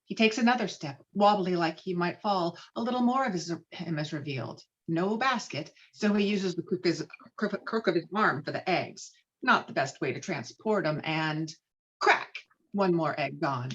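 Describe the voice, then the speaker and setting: A woman with a slightly low, somewhat bright voice reads stage directions at normal speed, acting as narrator for a table read of a dramatic script. The audio is dull and lo-fi, like a phone call.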